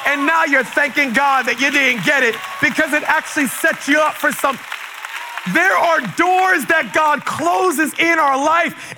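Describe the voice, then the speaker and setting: A man raised in the Caribbean, preaching a sermon to a congregation in church, fervent, with bursts of shouting and quick stammered repeats of words. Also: very high voice, noisy background. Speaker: pastor. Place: church sanctuary with a live congregation.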